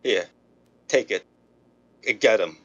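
A man playing an excitable, cowardly crook in a 1930s radio drama style. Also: on the low side, slow, dry recording, lo-fi sound. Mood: panicked. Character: panicky, cowardly male crook.

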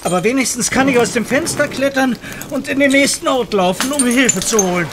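An actor playing a wary, dry-witted police inspector in a radio horror drama, often talking to himself. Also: male voice, very high voice, fairly quick, background noise.

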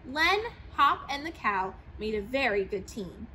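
A young woman reads a rhyming children's book aloud in a lively, sing-song way. Her voice sits high and bright, and the big hangar room is faintly audible around her. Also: unhurried, a little hiss or hum, low-quality recording. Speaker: storyteller. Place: large aircraft museum hangar, seated in a plane cockpit.

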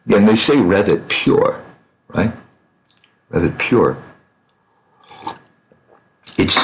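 A middle-aged man with a very low, deep voice drifts through a software tutorial aside, circling back on his own phrases and stumbling over restarts. He talks into a webcam at his desk, with a faint hum of room noise underneath. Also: rough recording. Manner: digressive, repeats phrases, many restarts and fillers. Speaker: design software instructor. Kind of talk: rambling screen-share tutorial aside.

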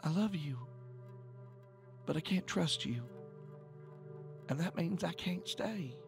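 A man voicing a hurt, angry young woman, halting and emotional, in a narrated drama. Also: a little high, animated, vocal fry, over music, voice pushed up, heavily acted. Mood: sad, resolute.

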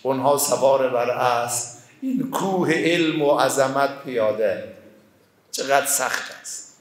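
A man with an Afghan Dari accent preaches a Friday sermon in a large prayer hall, with strong echo around his voice. His pitch sits in the middle of the male range, and he often slows down and drops into a soft, mournful tone.

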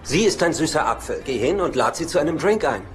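A man's voice: a little high, very animated, fast talker. An actor dubbing a German sitcom, playing a middle-aged womanizing brother who is smug, glib, sardonic and self-assured. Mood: cocky, teasing. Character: cocky womanizing brother, smug, teasing, worldly. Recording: TV soundtrack with clear background noise.

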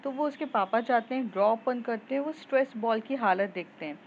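Woman storyteller, casual chatty narration, higher-pitched voice, slightly dull recording with faint hiss. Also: fairly quick. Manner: chatty, with fillers and restarts.

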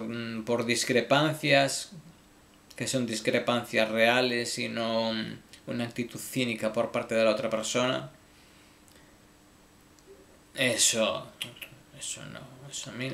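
Man in his own vlog, mid pitch, gravelly, stumbling over words, apologetic. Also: a bit bright, slight background noise. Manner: halting, repeats words, swears casually. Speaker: video creator. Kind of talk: casual apology to viewers.

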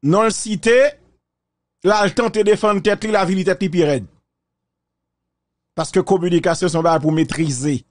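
A man gives measured, reflective commentary, mixing French and Creole. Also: sits high, dry recording, studio quality.

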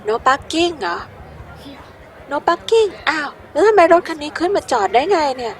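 A woman's voice: extremely high pitch, unhurried, some chatter behind, voice pushed up, heavily acted. Woman voicing a cheeky rebellious teen girl. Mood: curious. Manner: lively exclaiming, casual slangy talk.

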